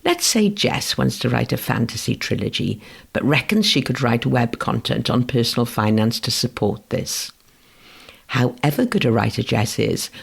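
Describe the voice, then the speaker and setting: A man from Wales, Welsh by first language, narrates a writing lesson in a measured, gentle way. His voice is heavily gravelly and husky, with a mid-range pitch. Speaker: writing course instructor. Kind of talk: scripted educational narration.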